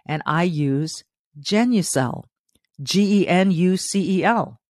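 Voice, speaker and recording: A woman in her fifties with a low voice, hosting an opinion monologue and repeating phrases for emphasis. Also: slow, no room sound, clean studio sound. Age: 50s. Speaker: podcast host.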